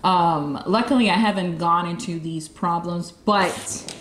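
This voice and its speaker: A YouTube convention reporter shows off her convention gear in a casual show-and-tell, laughing a lot as she talks. Her voice is fairly low and measured, echoing in a game room full of arcade cabinets.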